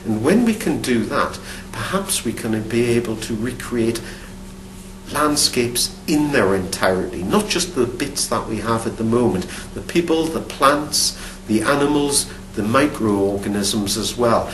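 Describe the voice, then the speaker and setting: A man's voice: medium pitch, lively intonation, measured pace, fairly bright tone. A man in his fifties from Newcastle with a Geordie accent, an archaeology professor answering interview questions to camera in a thoughtful way, often restarting and repeating words. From Newcastle upon Tyne, England. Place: studio with dark backdrop. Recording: roomy, distant mic, faint hum.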